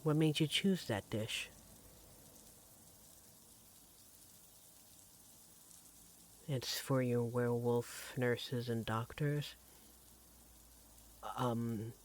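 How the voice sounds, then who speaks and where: A man playing an affectionate, devoted vampire partner in a roleplay audio drama, speaking in a tender, gently teasing, conversational way. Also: mid-range voice, lightly acted. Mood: curious. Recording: clearly audible background noise, sizzling kitchen effects.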